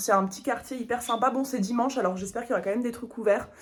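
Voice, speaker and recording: Ordinary pitch variation shapes this woman's fairly high-pitched voice. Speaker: vlogger. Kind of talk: travel vlog. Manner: halting.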